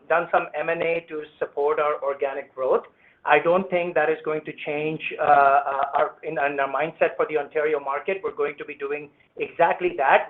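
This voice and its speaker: A man speaking as a company executive, giving confident, salesy answers to analysts on an earnings call. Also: fairly high pitch. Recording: narrow, tinny conference phone line.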